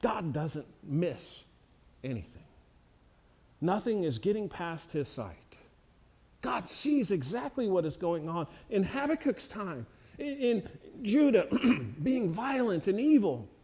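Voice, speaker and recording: A man's voice: high-pitched, sing-song, slow pace, dark tone, husky, poor audio. A man preaching a sermon in a church, earnest and emphatic, asking the congregation rhetorical questions. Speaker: pastor. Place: church sanctuary.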